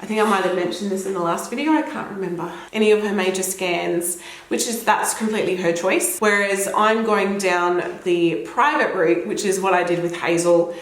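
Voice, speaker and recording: A woman's voice: medium pitch, normal speed. A young Australian woman chatting casually to camera at home, a little throaty from a cold, rambling and laughing often. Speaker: vlogger. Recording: echoey room.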